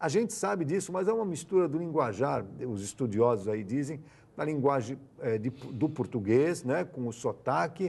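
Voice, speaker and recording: This man talks at a moderate pace with a fairly high pitch, a somewhat breathy quality, very wide pitch swings and a slight Santos accent against a quiet background. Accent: mild Santos accent, mistaken for carioca. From Santos, São Paulo state, Brazil. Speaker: city councillor and dentist. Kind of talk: interview.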